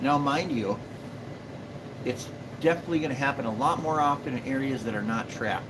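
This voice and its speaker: Speaking at a fairly quick pace and a medium pitch, a man is heard with audible room echo and noticeable background noise. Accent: American. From US Upper Midwest, west central northern Minnesota. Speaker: trapper and livestreamer. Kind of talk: live stream chat answering viewer questions.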